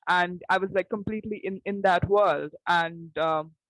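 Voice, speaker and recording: Young woman talking haltingly, dry sound. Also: on the low side, fairly even intonation, fairly bright tone, dry recording, rough recording. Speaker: playwright. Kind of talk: roundtable discussion.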